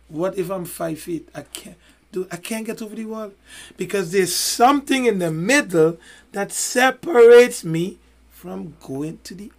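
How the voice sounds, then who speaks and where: A man co-hosting a casual podcast discussion, making emphatic points with rhetorical questions and long analogies. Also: high-pitched. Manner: fills pauses with many "you know"s. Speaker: podcast co-host.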